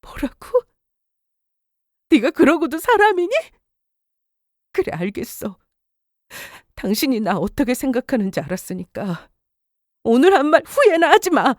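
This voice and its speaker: A woman's voice: on the high side, sing-song, normal speed, no echo, clean studio sound. A woman playing a young wife who has just lost her pregnancy, emotional and indignant in a radio drama. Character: grieving young wife after miscarriage.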